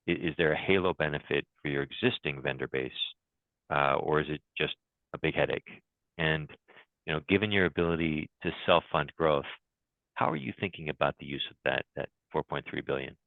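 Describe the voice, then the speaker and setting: A man asking questions as an analyst on a business call, politely, in a halting way that rephrases as he goes. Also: extremely low pitch, creaky, dry recording. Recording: thin phone-like call line, dry.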